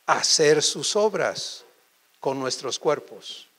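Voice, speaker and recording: A man preaching a sermon, asking the congregation quick questions. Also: on the high side. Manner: animated, quizzes the audience with quick questions.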